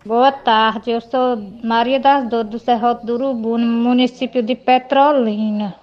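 Rural woman from the Pernambuco Sertão, high-pitched, halting caller, dull lo-fi recording. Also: steady tone. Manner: halting, hesitant. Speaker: listener sending a voice message. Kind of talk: recorded voice message.

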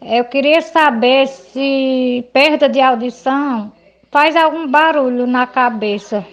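Woman with Sertão accent, high voice, hesitant, muffled voice-message audio. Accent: Sertão Pernambuco. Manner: halting, hesitant. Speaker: listener sending a voice message. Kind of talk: recorded voice message.

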